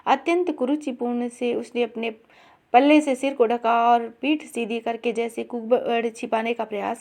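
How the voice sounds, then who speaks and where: Woman narrator, slightly high voice, expressive story reading. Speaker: story reader.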